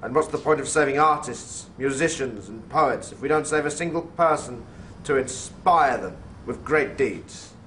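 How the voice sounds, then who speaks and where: A man's voice: medium pitch, animated, normal speed, a bit bright, slight background noise, lightly acted. A man playing a preachy government official. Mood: earnest. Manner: frank, preachy, speechifying. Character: earnest male government official. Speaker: government representative. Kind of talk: 1950s B-movie acting.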